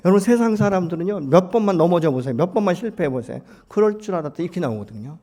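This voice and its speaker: A male pastor delivers a Sunday sermon in a church sanctuary, his voice husky and mellow. His pitch rises and falls widely as he asks the congregation question after question and voices God's encouraging words. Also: expressive, rapid-fire. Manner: preaching with rhetorical questions to the congregation. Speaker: senior pastor.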